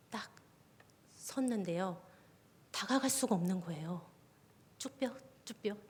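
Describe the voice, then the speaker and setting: A woman, a junior pastor, giving a testimony sermon at a midweek prayer service, often dropping her voice to a soft whisper. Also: medium pitch. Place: church sanctuary. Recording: long reverb of a church hall.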